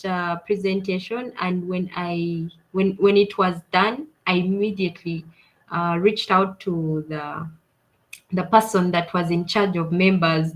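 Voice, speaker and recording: Woman, coach, earnest personal storyteller, animated, mid-range pitch. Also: poor audio. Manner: earnest, animated retelling with fillers and laughs. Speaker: coach and speaker.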